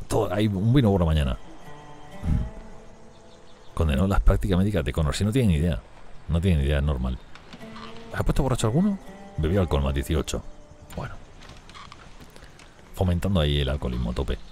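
A man gives casual gameplay commentary in a very deep voice that still swings lively up and down. He chats to his characters as he plays. Music plays clearly behind him. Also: fairly quick, long pauses. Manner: chatty, talks to his characters. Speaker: gameplay youtuber.

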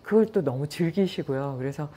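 A middle-aged woman, a yoga and meditation teacher, talking casually and calmly, telling stories and acting out what people said. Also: low voice, a little fast, slight background noise. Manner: anecdotal, calm, with acted-out quotes. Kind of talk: casual talk to viewers.

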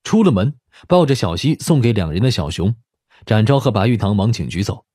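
A man's voice: on the low side, big pitch swings, fairly quick, warm tone, breathy edge, dry recording, clean studio sound. A man narrating a scripted audiobook story as its narrator.

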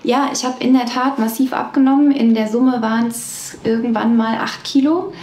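A woman's voice: fairly high pitch, moderate pace, a little mellow. Candid woman in an echoey room. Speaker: vlogger. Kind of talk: casual storytelling to camera. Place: small bright treatment room.

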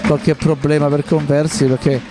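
A man giving live football play-by-play in clipped running phrases, with pauses between them. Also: on the high side, level tone, over loud music. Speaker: football match commentator.

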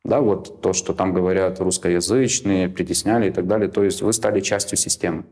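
A man's voice: low-pitched, fairly even intonation, fairly quick, a little mellow. A man in his thirties, a native Ukrainian speaker, interviewing in a small plain room with pointed, challenging questions.

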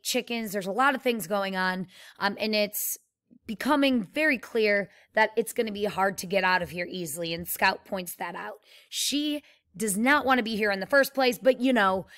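A woman reading a novel aloud in a steady, plain way and pausing to explain the story like a teacher. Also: medium pitch.

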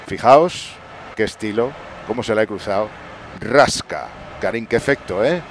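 A man with a fairly low voice narrates his own football game match like a mock sports commentator. He swings from quick muttering to bursts of loud cheering. A faint hiss sits under the home recording. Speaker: gaming channel host. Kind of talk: excited let's-play commentary. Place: home room at night.

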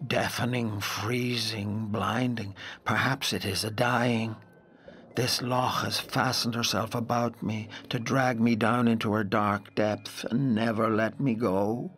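Low-voiced, grave male narrator. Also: level tone, faint music behind. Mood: dread. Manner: measured, intense, dramatic pauses, dropping to hushed phrases. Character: grave narrator haunted by a wild lake memory. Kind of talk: literary audio drama narration.

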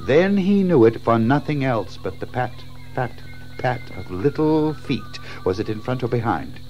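A man narrates a storybook with theatrical suspense. His medium-pitched voice rises and falls widely, with faint music underneath. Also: lively intonation, unhurried, darkish tone, highs cut off. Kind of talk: dramatic scripted storytelling.

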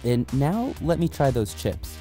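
A man narrating a scripted news voice-over in a smooth, lively way. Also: medium pitch, measured pace. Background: soft background music.

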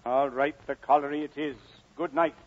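Exasperated working-class dad, male actor, gruff and stern, high for a man, dull old radio sound. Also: fairly even intonation, normal speed, close to an everyday voice. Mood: resigned, gruff. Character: stern, exasperated Welsh working father of boys. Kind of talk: 1940s radio acting. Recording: muffled old radio broadcast.

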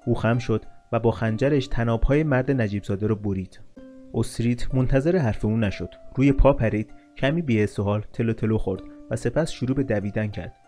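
A man narrating a fantasy story in a steady, measured reading. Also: medium pitch, faint music behind. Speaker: audiobook narrator.

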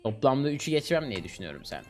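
A man in his twenties streaming a game, chatting casually and excitably with slangy, teasing banter. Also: mid-range voice, very fast, soft background music. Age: 20s. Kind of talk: casual gaming commentary with a teammate. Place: small home streaming room, indoors.

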